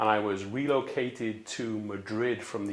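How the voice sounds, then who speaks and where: A man talks at a moderate pace in a fairly low voice with fairly even intonation. Audible room echo surrounds him. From Wales, Cardiff. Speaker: inn owner, former tech executive. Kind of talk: interview. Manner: hesitant, many fillers.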